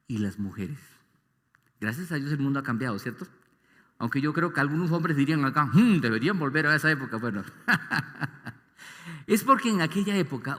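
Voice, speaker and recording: A man preaching a sermon, animated and asking his listeners rhetorical questions. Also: mid-range voice, in a large hall. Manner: animated, asks the congregation questions, mimics voices. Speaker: pastor. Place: large church hall.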